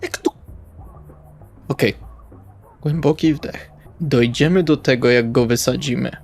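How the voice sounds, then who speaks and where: A man's voice: medium pitch, a little slow, gravelly, soft background music, voice pushed down. A man playing an irritable, menacing vampire in an audio roleplay, curt and profane. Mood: impatient. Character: Salvi, irritable, menacing vampire who craves silence.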